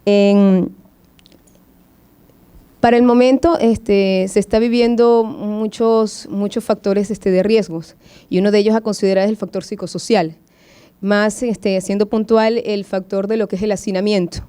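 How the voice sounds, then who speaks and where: A woman's voice: mid-range voice, fairly even intonation, unhurried, mellow, clean tone. A woman from Venezuela, a postgraduate student, asking questions from the audience at a medical symposium with many hesitant fillers.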